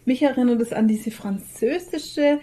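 A woman's voice: a little high, normal speed, mellow, breathy edge. A woman co-hosting a podcast in a casual, conversational style. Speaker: podcast co-host. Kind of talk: casual chat.

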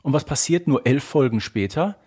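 A man with a German accent and a husky, mid-pitched voice chats as a podcast co-host. He makes his points with emphasis and likes to put questions to his partner. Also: lively intonation, normal speed, darkish tone. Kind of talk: casual fan-podcast discussion.

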